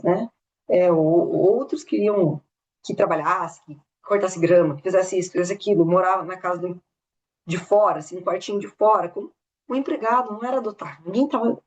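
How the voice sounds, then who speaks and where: A Brazilian woman casually retelling a story at a spiritist study talk, animated, with many tag questions and restarts. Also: lowish voice, lo-fi sound. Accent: São Paulo interior Brazilian Portuguese.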